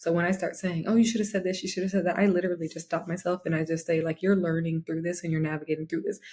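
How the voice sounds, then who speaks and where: A woman with a fairly low pitch and a dark, mellow tone talks at a very fast pace with hardly any pauses. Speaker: mindset coach and podcaster. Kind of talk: solo podcast monologue. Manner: gets louder when excited; casual, conversational.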